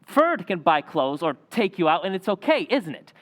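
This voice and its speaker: A man's voice: high-pitched, very animated, moderate pace, a bit bright. Echoey, touchy young tough guy, played by a man. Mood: jealous, defensive. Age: young adult. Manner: slangy, defensive tough-guy talk. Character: jealous, touchy young working-class man with a reformatory past. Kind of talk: old-time radio drama acting.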